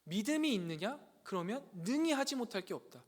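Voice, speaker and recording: Bright-voiced pastor preaching in a reverberant hall. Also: male voice, high-pitched, sing-song, a little fast. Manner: earnest, rhetorical questions, swells louder on key points. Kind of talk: sermon to a youth congregation. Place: church sanctuary.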